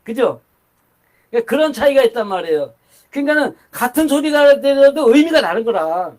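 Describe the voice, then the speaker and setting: A man's voice: very high-pitched, very animated, a little fast, darkish tone. An older man preaching a sermon in a conversational, rambling way, with asides and restarts. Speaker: pastor.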